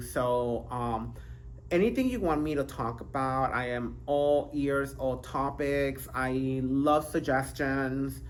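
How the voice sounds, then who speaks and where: Speaking at a very slow pace with a non-native accent, a woman is heard with audible room echo. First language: not English. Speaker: podcast host. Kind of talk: casual monologue. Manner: animated.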